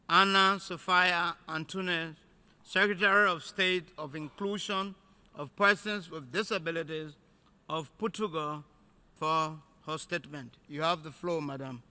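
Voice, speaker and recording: Male chair, very bright and crisp voice, formal introductions, long hall reverb. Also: a little high. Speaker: conference chair.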